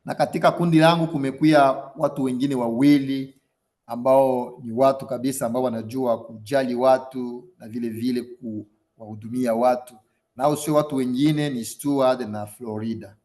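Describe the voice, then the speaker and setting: Man, interpreter, middle pitch, steady, video call. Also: normal speed. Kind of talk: interpreting a webinar.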